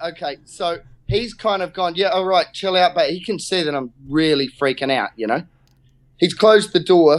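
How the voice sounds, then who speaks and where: Over a quiet background, a man with a New Zealand accent speaks at a moderate pace. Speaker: clown, street performer. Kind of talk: casual storytelling chat.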